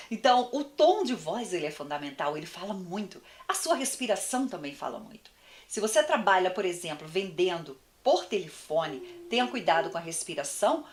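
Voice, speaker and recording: A woman teaches an online course in a very animated voice, her pitch swinging widely as she talks straight to the viewer. She explains each point step by step and acts out short examples along the way. Her voice sits in a medium register for a woman. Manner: didactic, addresses the viewer directly, acts out examples. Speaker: communication course instructor.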